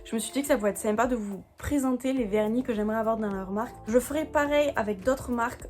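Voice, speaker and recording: A woman beauty vlogger greets her viewers in a quick, chatty, upbeat way. Her voice sits a little high and the words tumble out fast. Soft music plays faintly behind her. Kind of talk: casual vlog intro.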